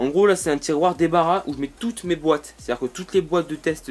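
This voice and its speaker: A man talks very fast with ordinary pitch variation. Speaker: tech YouTuber. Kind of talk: casual room tour vlog. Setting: home bedroom, camera on tripod. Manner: halting, many fillers; relaxed, casual.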